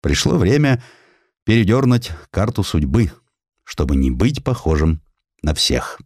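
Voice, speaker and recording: Deep, expressive male audiobook narrator. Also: a little slow, dry recording, clean studio sound. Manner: theatrical, expressive storytelling. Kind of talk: dramatic scripted narration of historical prose.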